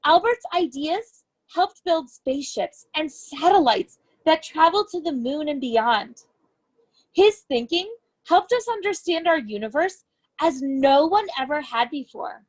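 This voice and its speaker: A woman's voice: high voice, expressive, measured pace, dry recording, poor audio. A woman science educator presenting a lesson for young children, explaining things in simple terms as she reads and demonstrates.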